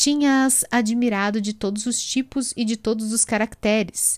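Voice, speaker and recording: A woman with an ordinary speaking voice talks at a fairly slow pace, her pitch fairly high. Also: very clean recording, silent background. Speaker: literary podcaster narrating and commenting on a classic novel. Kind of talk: literary audiobook reading of a 19th-century Brazilian romance, chapter read aloud. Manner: measured, clear storytelling delivery of formal period prose; chatty, conversational asides addressing listeners between readings.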